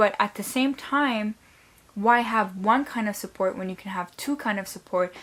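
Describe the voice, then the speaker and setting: With a non-native accent, this speaker keeps to a moderate pace. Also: woman. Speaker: mental health and lifestyle vlogger. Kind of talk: casual vlog monologue. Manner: conversational, with fillers like 'you know'.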